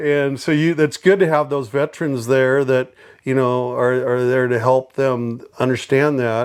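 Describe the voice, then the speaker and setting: In a normal speaking voice, the speaker talks at a fairly slow pace with fairly even intonation on a very clean recording with a silent background. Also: man, medium pitch for a man. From Oregon, US. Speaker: former shoe designer. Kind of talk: interview.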